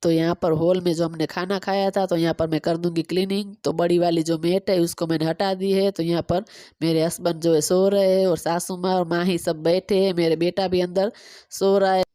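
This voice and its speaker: A woman in her thirties from Gujarat, native Gujarati speaker, chatting quickly through a home cooking and cleaning vlog on a phone camera. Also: on the low side, level tone, warm tone, no room sound, clean studio sound. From Gujarat, India. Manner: fast-talking, chatty step-by-step explaining. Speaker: vlogger.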